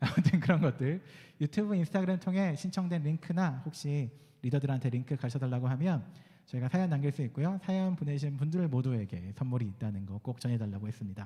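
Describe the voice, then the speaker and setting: A man with a fairly high pitch and a dark, mellow tone talks very fast, somewhat breathy, with lively intonation. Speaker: pastor. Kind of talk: church announcements.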